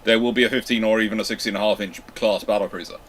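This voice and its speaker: A man's voice: lowish voice, fairly even intonation, racing, fairly bright tone, slight background noise. A man hosting a live naval history Q&A, reading out viewer questions and answering them off the cuff with frequent ums and restarts. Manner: hesitant, many fillers and restarts. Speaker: naval history channel host.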